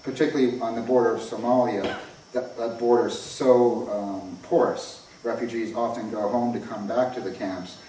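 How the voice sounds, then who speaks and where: A man's voice: mid-range voice, fairly even intonation, normal speed, mellow. North American man lecturing in an echoey room. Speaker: academic conference speaker. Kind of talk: informal academic lecture. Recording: echoey room, distant mic, faint noise.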